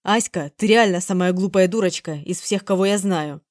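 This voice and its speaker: A woman reading the lines of a young man, an insistent and passionate suitor who pleads and shouts. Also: a little high, fairly even intonation, normal speed, no room sound, studio quality, lightly acted. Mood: angry.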